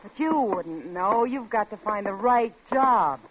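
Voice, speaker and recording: An actress playing a bitter, nagging wife in an old radio drama, sarcastic and scolding, always discontented about money. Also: female voice, medium pitch, animated, a little slow, phone-quality sound, slight background noise, natural voice. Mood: angry, scornful. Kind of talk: 1940s-50s radio drama acting.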